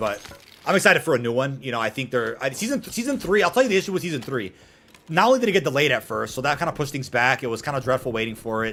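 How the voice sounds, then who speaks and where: A man talks very fast with lively intonation. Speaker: gaming streamer. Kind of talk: live stream commentary.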